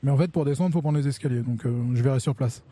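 A man's voice: medium pitch, quick pace, mellow. A man guesting on a live stream, speaking in a hesitant way with fillers. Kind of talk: casual chat.

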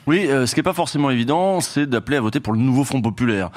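A man's voice: medium pitch, animated, racing, a little mellow. Casual man asking pointed questions. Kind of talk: talk show questioning.

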